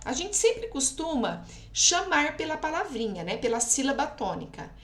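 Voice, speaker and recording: Woman teacher, patient and explanatory, lively higher voice, roomy echo. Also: moderate pace. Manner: patient, explanatory, keeps checking with "tá?". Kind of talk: recorded remote lesson explaining exercises. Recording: echoey room.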